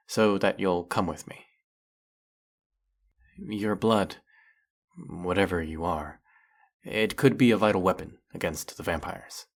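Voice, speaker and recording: A man acts out a brooding male vampire hunter, centuries old, for a dramatic audio roleplay. His voice sits deep and moves slowly. He confides haltingly, leaving heavy pauses, guilt-ridden yet set on his mission.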